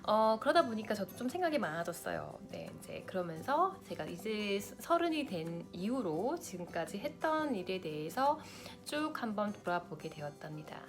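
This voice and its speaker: A woman's voice: medium pitch, huge pitch swings, moderate pace, few pauses, music in the background. A woman in her late thirties, a lifestyle vlogger, talking to camera and giving big-sister advice straight to her viewers. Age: 30s.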